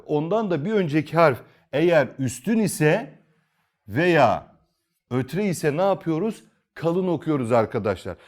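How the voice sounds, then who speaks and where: A male Quran reading teacher, a little higher-pitched than most men, whose voice rises and falls a lot as he explains each rule. He asks his students questions and answers them himself, going over the steps again and again. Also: darkish tone. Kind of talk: step-by-step recitation lesson.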